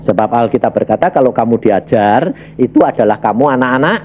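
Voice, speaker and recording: A man preaching a sermon and telling a personal testimony. He addresses the congregation directly and tells his story in an animated way. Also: brisk. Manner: animated storytelling, big pitch swings, addresses congregation as "saudara". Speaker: evangelist preacher. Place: church worship hall. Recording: slightly dull lo-fi audio, faint background hiss.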